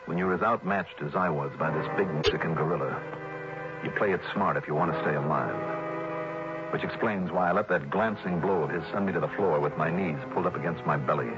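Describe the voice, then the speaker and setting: A man's voice: low voice, fairly quick, over loud music, lightly acted. An actor playing a cool, wisecracking investigator who narrates his own story in a 1960s radio detective drama. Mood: tense narration. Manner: dry wisecracks, first-person narration. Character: wisecracking tough insurance investigator, cool-headed. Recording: dull lo-fi old radio broadcast.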